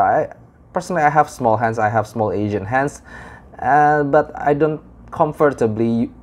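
A young man from Indonesia with an Indonesian accent gives a casual, unscripted product review in halting, explanatory English. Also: medium pitch, darkish tone. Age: young adult. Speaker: audio gear reviewer.

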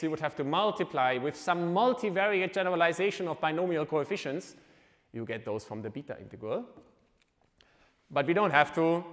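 A man giving a university lecture in a large hall, explaining informally with wry asides and quick self-corrections. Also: on the high side. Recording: long lecture-hall reverb.

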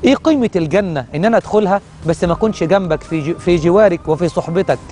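A man's voice: sits high, rapid-fire, dark tone, faint music behind, lightly acted. A man with an Egyptian Arabic accent voicing a devoted male servant who pleads tenderly and misses his master. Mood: longing.

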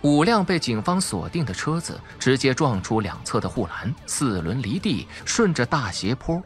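A man's voice: medium pitch, sing-song, normal speed, soft background music. A man reading a suspense audiobook as a dramatic scripted narrator.

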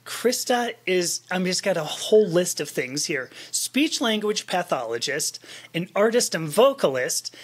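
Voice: mid-range voice, breathy edge. A podcast host interviewing a guest over a video call from a home office, chatty and self-deprecating, often restarting sentences. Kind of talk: conversational interview. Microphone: studio mic on a boom arm, video call.

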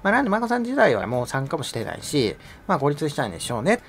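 A man's voice: fairly high pitch, sing-song, very fast, a little hiss or hum. A middle-aged man giving sarcastic, mocking commentary in a casual, conversational way.

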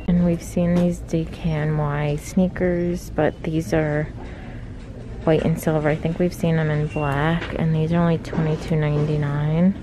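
A woman with a low, even voice walks through a big store narrating what she finds. Her tone stays flat and steady as she reels off prices. Background store noise comes through the phone mic. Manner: low-key, steady price-listing commentary. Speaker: shopping vlogger. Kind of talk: casual shop-with-me narration. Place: large retail store, indoors. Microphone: handheld phone camera. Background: store ambience noise.

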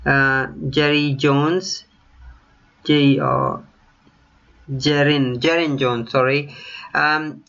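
A tech YouTuber in his thirties, with a mixed Indian and British accent and a mid-range, fairly bright voice, chats to his channel from a small room at home. He reads viewer comments during a casual screen-share vlog, with lots of ums and self-corrections, and the highs cut off.

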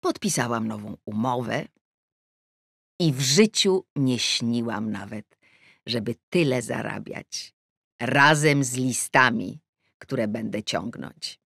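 Female audiobook narrator, wry and ironic, unhurried, very lively pitch, dry booth sound. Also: creaky, slightly rough, no echo. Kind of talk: first-person audiobook narration.

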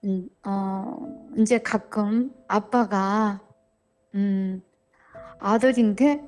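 A woman in her forties, a church member telling her family troubles in a counseling interview, talking slowly and hesitantly. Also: medium pitch, steady tone, soft background music. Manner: slow, hesitant, soft-spoken.

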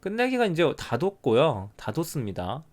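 A middle-aged man commentating live on an online Go game. He mutters counts of territory quietly, then breaks out in lively surprised remarks. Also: fairly high pitch, normal speed. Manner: counts territory under his breath, then exclaims at turns.

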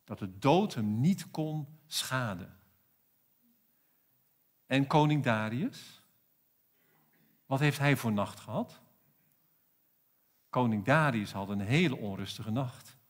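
A pastor with a South African accent preaching a sermon in a church, emphatic and full of rhetorical questions. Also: male voice, medium pitch, expressive, takes it slowly, pauses often.

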